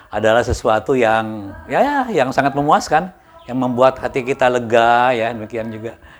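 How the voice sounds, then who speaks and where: The voice belongs to a man, at medium pitch. Noticeable background noise runs behind it. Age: 60s. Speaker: cycling vlogger. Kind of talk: casual vlog talk. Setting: outdoors with cycling group. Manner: halting, many fillers.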